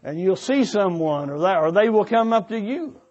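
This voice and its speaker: A man's voice: sits high, animated, normal speed, a little mellow, lo-fi sound. A man giving a sermon-like exhortation to a congregation, speaking earnestly and sometimes repeating or rephrasing his words as he goes. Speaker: church speaker. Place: church meeting before a congregation.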